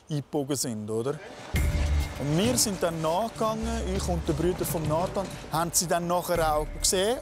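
A young man with a Swiss German accent, a witness speaking hesitantly in a documentary interview. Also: a little high. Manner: hesitant, with fillers and restarts. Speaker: witness, friend of the victim.

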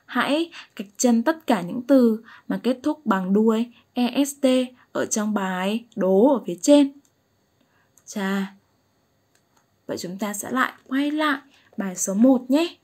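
Female English teacher. Slightly high voice, unhurried, patient delivery that keeps checking understanding. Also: expressive, a little mellow. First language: Vietnamese. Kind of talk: slow explanatory lesson.

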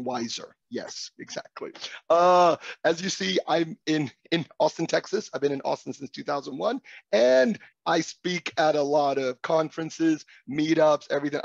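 A middle-aged man whose first language is Italian, hosting a guided conversation over a video call, animated and poking fun at himself. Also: fairly high pitch, vocal fry, no room sound. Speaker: host. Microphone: webcam on a video call. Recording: dull lo-fi video call audio.

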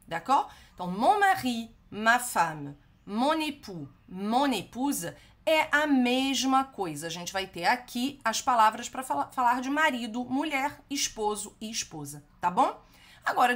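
A woman with a Brazilian Portuguese accent teaching an online French lesson, affectionate with her viewers and repeating each word slowly to model pronunciation. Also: a little high, fairly bright tone.

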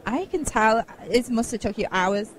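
A woman in her thirties, hoarse from losing her voice, flirtily interviewing cosplayers with a handheld mic in a busy convention hall. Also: fairly high pitch, expressive, normal speed, a little hiss or hum. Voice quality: husky. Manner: flirty, playful, laughs often. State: hoarse, lost voice.

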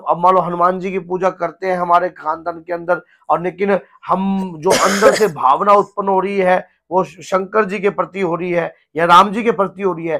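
A hoarse man in his thirties, a spiritual guru giving an earnest devotional teaching talk at home. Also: high-pitched, fairly bright tone. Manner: earnest, gesturing, repeats himself. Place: home room with a shrine, indoors.

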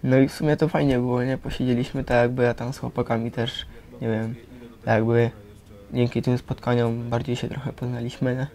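Casual young man with flat intonation. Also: mid-range voice, fairly quick. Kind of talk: casual, slangy chat.

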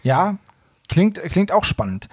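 A man's voice: high-pitched, sing-song, slow, a little mellow, breathy edge, no echo, studio quality. A man hosting a podcast, chatting casually about audio dramas. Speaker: podcast host.

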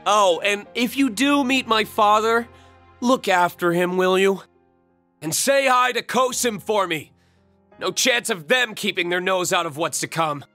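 An actor playing a reckless, thrill-seeking young man in a video game, emotional and sardonic, with a husky voice. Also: high-pitched, measured pace, pushed and bright, faint music behind, heavily acted. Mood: resigned, wistful. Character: reckless thrill-seeking young man, betrayed creation pleading with his father. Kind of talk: dramatic video game voice acting.

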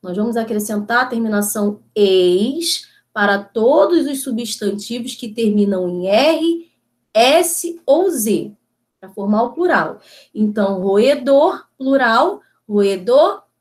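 A woman teacher giving a video lesson, explaining step by step in a slow, patient way and often checking that her students follow. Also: on the high side, lively intonation.

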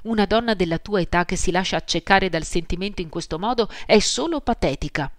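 A woman's voice: mid-range voice, animated, a little fast, no room sound, clean studio sound, natural voice. A woman reading the lines of a stern, proud mother in an audiobook, speaking coldly and resolutely. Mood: furious. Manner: hissing, cold and resolute.

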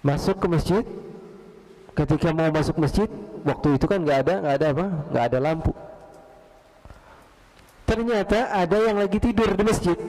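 A man's voice: a little high, a little mellow. A man preaching in a mosque, telling stories casually and answering his own questions. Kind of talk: storytelling religious lecture. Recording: long reverb of mosque hall.

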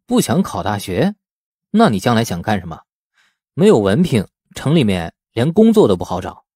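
A man's voice: lowish voice, huge pitch swings, moderate pace, warm tone, breathy edge, no room sound, studio quality, full character voice. A man voicing a young man who questions a teenager like a concerned elder in an audiobook. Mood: surprised. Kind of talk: audiobook character dialogue.

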